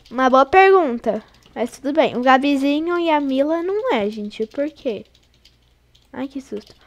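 A woman hosting a gaming channel, giving chatty running commentary on her play and talking constantly to her viewers. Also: high voice. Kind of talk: casual gameplay commentary.

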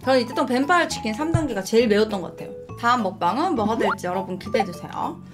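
Young woman, eating-show streamer, frank chatty storytelling, lively pitch. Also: fast. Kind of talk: casual eating-show chat. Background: faint background music.

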